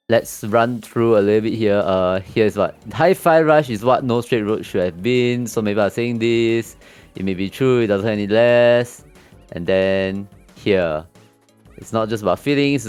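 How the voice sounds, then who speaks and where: A man hosting a casual games talk show, loose and chatty with many fillers and restarts. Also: clear, resonant tone. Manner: mocks angry gamers in a high put-on voice. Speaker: podcast host. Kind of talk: casual group chat about games.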